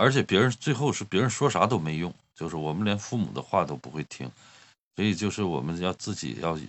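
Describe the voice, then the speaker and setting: The speaker, in a Heilongjiang accent, moves at a fairly quick pace, broken by long, frequent pauses. Vocal fry runs through the voice, and the pitch swings very widely. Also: man. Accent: Heilongjiang (northeastern Mandarin). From Heilongjiang, northeast China. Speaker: documentary director. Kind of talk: casual chat. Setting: online audio room.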